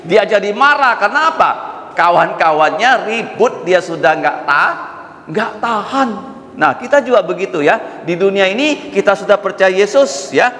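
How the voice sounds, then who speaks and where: A man teaching children in church, animated and asking them questions again and again. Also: sits high, moderate pace. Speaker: children's Sunday school teacher. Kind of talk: children's sermon. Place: church hall. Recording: echoey church hall with long reverb.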